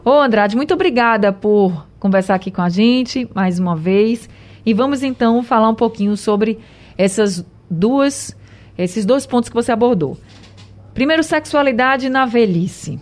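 A woman hosting a radio call-in show. She addresses listeners and guests in a friendly, measured way. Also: fairly high pitch, animated, a little mellow. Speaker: radio host.

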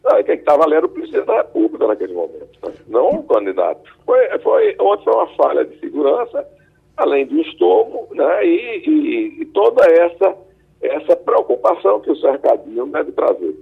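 A man with a Brazilian accent commenting as an interview guest over a phone line, halting and emphatically repeating himself. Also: fairly high pitch, wildly swooping pitch, creaky, slightly rough. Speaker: electoral lawyer, interview guest. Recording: tinny, muffled phone line.

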